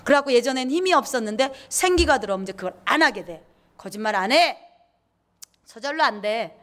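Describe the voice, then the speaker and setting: A woman pastor preaching a lively sermon, acting out inner voices and repeating words for emphasis. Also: on the high side, brisk.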